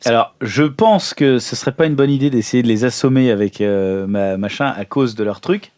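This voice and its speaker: A man's voice: medium pitch, moderate pace, a little mellow. A man playing an improvised tabletop game, chatting casually and jokingly as he describes his moves. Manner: joking, informal.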